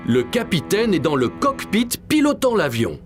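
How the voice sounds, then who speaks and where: A woman's voice: medium pitch, very animated, normal speed, soft background music, natural voice. A woman voicing a friendly, cheerful flight attendant in a children's cartoon, welcoming and helpful.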